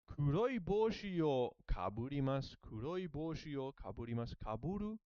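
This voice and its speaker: Man, hesitant, repeats himself, smooth voice, muffled dry recording. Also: on the high side, big pitch swings, a little fast, no room sound. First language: German. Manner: hesitant, repeats words while working them out; soft self-conscious laughs. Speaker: language learner. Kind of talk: thinking-aloud study session. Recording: slightly muffled dry sound.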